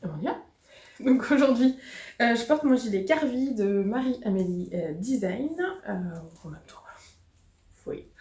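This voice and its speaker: A woman's high voice at a fairly slow pace, with very wide pitch swings, big swings in loudness, and long, frequent pauses. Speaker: knitting podcaster. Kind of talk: casual monologue podcast. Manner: hesitant with many fillers.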